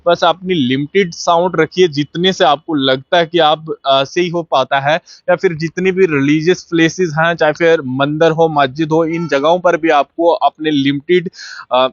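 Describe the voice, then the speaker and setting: A man's voice: a little high, steady tone, moderate pace, no echo, dull audio. Man reporting local news, dry sound. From Jammu and Kashmir. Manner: explanatory, repeats phrases, frequent hesitations. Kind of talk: unscripted news report to camera.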